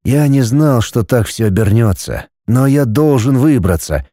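A confused but determined young man speaks in a plain, restrained voice, as the narrator voices him. The tone is mellow and dark, and the sound is close and dry. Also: mid-range voice, expressive, a little slow, dry recording.

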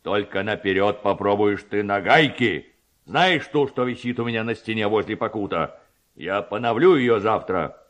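A man voicing a self-important, boastful village headman in a storybook, with a gruff, commanding, pompous and drawn-out delivery. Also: lowish voice, a bit bright, lightly acted. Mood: stern.

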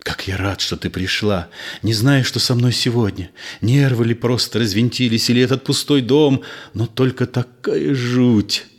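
A gentle, nervous gentleman in an audiobook play, as the reader plays him. He speaks low and soft, soothing and tender. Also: moderate pace, natural voice. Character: gentle nervous middle-aged man, soothing.

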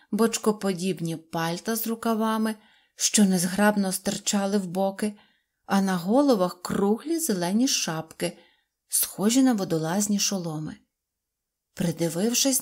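A woman narrates a children's tale as an audiobook. Her voice is mid-pitched and even, telling the story clearly and steadily.

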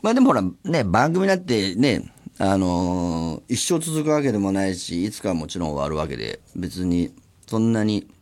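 A man hosting a solo radio show, chatting casually and acting out other people's lines in quick little voices. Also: low voice, big pitch swings, darkish tone. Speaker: radio host.

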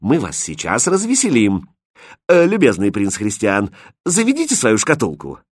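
A man's voice: lowish voice, wildly swooping pitch, moderate pace, slightly rough, dry recording, studio quality, heavily acted. Man doing a pompous old king. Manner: pompous, self-important.

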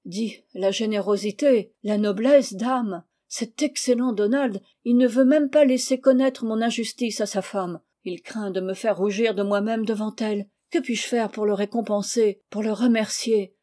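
A woman reading as a hot-tempered, earnest young gentleman with formal, emphatic speech in a storybook. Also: medium pitch, steady tone, moderate pace, natural voice. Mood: fervent. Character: proud, hot-tempered but repentant young gentleman farmer.

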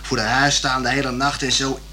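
A man playing a plain-spoken, stubborn but good-natured young working-class man in a radio play, talking haltingly and colloquially. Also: medium pitch, little pitch movement, sharp tone, a little hiss or hum. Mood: earnest. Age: young adult. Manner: halting, colloquial, repeating himself.

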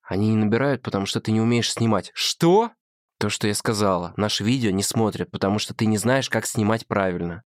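Guy reading as a worn-out young woman, flat and low, dry close sound. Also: a little fast, no echo, natural voice. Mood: weary.

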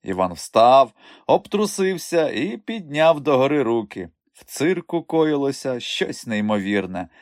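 A man narrating an audiobook in an expressive storytelling manner. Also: medium pitch, measured pace, no room sound, clean studio sound. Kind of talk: scripted narration.

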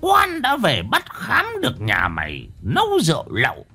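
Guy doing a sly barking village boss, husky voice, soft music underneath. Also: on the low side, huge pitch swings, takes it slowly, heavily acted. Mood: bullying. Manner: barking, sneering. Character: bullying, sly village chief man.

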